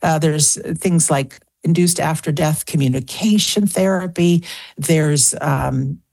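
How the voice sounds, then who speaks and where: A woman's voice: deep voice, takes it slowly, creaky, warm tone, slightly rough, dry recording. A woman in her sixties, a guest on a radio interview, talking earnestly and piling up examples. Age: 60s. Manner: earnest, talks in lists and repeats phrases. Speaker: guest author.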